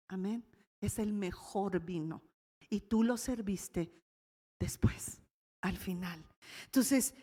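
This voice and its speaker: A woman pastor with a Mexican accent preaching a sermon, lively, with laughing asides and sudden exclamations. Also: fairly high pitch. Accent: Mexican Spanish. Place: church hall. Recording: long hall reverb.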